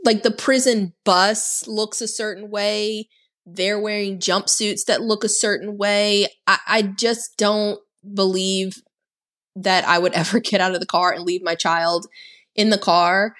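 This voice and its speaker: This woman's fairly bright, mid-range voice stays steady in tone at a measured pace. On a podcast she co-hosts, she offers a chatty, sarcastic, casual horror movie recap, full of "like."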